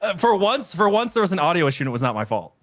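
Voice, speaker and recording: A man's voice: sits high, big pitch swings, racing. A man co-hosting a casual podcast panel over a video call, rambling and self-deprecating. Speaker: podcast co-host. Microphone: remote video call.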